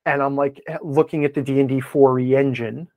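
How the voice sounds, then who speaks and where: A man's voice: mid-range voice, fairly even intonation, fairly quick, warm tone, no echo. A man talking casually as an interview guest, telling anecdotes in an emphatic way and punctuating his points. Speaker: guest, tabletop gaming blogger.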